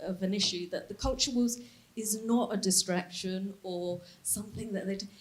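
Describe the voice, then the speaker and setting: A woman speaks at a moderate pace, and noticeable background noise can be heard. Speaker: audience member. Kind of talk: public debate question.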